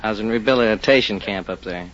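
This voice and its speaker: A man's voice: on the low side, fast, fairly bright tone. A man, a contestant who works as an auctioneer, answering questions in a plain, hesitant way. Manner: earnest, hesitant, plain-spoken. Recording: muffled old radio recording with hiss.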